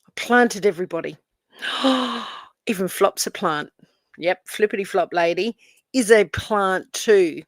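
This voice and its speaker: A woman's voice: mid-range voice, no room sound, clean studio sound. A woman hosting a live stream, talking to her chat in a sarcastic, mocking way with theatrical gasps.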